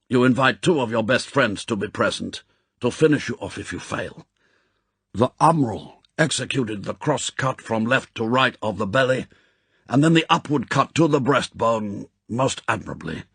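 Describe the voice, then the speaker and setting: A man's voice: medium pitch, expressive, normal speed, vocal fry, a bit bright, slightly rough, no echo, exaggerated voice. A man voicing a proud Japanese spymaster in an audiobook, formal and courtly, zealous and sternly gracious. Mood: solemn, fervent. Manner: formal, stilted, courtly phrasing.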